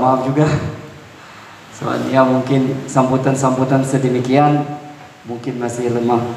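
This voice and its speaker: Room echo is audible and background noise is noticeable. A man talks at a medium pitch in a monotone, flat intonation. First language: not Indonesian (speaking Indonesian). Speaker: speaker giving a welcome address at a reunion. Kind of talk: formal speech with religious opening. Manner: formal; halting.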